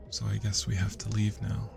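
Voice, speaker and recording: A British man playing a shy, smitten young student at a party, speaking softly and hesitantly in intimate roleplay ASMR, with sighs and whispers. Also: lowish voice, gravelly. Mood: wistful. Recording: music and party chatter behind. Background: party music and crowd chatter.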